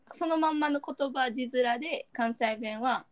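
A woman's voice: sits high, unhurried. A woman with a Kansai accent co-hosting a casual podcast chat, laughing often and teasing playfully. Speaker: podcast co-host.

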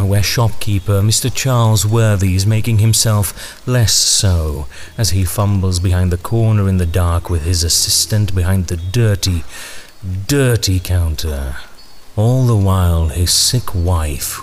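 An actor playing a menacing, eloquent ringmaster in an audio drama, speaking in deliberate, theatrical, archaic phrases. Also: male voice, low voice, a little mellow, a little hiss or hum.

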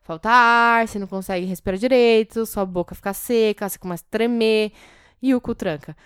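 Animated, joking woman. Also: on the high side, fairly quick, clean tone, no room sound, studio quality. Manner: joking, swears freely, animated storytelling. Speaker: podcast co-host. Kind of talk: casual chat.

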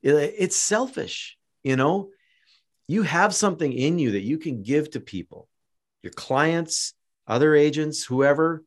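A man's voice: a little high, lively intonation, unhurried. A man with a Canadian accent hosting a podcast, talking casually and encouragingly to a guest, with many fillers and restarts. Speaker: podcast host. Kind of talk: casual interview chat.

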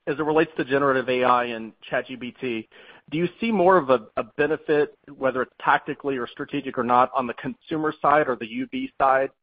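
A man's voice: medium pitch, no echo. A male financial analyst phones in to an earnings call with a chatty, rambling delivery. The sound is narrow and telephone-like, with no room around it. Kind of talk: informal question on an earnings call. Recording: thin phone line, very dry.

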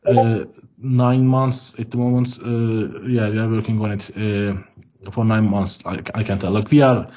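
A man's voice: fairly low pitch, flat delivery, unhurried, mellow. A man from Turkey with a Turkish accent, answering interview questions over a video call, hesitant and repeating words as he thinks. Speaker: guest, product head of a developer tool startup. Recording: dull lo-fi call audio.

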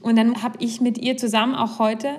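A woman's voice: a little high, little pitch movement, brisk, darkish tone. A young woman hosting a podcast, talking candidly in a casual conversation and thinking aloud with restarts. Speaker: podcast host.

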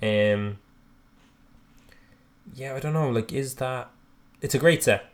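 Co-hosting a podcast, a man with a medium-pitched voice speaks slowly in a casual chat. He rambles, mocks himself in banter, and swears now and then.

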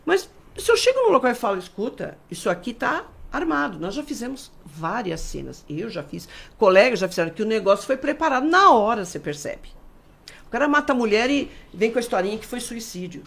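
Middle-aged Brazilian woman, forensic expert guest; lively, gravelly delivery. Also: on the high side, fairly quick. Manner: animated, explanatory, acts out quoted speech. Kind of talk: casual interview talk.

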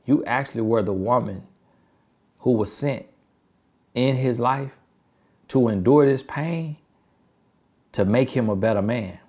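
A man's voice: mid-range voice, measured pace, pauses often, darkish tone. A man with a country Southern accent giving relationship advice in an emphatic, repetitive motivational style. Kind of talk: motivational talk.

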